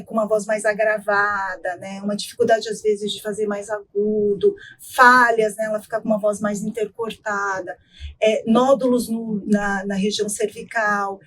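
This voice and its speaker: A middle-aged woman, an ENT doctor, explaining voice care in an interview in a measured way, often ending with tag questions. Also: on the high side, a little hiss or hum, low-quality recording. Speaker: ENT doctor, guest expert.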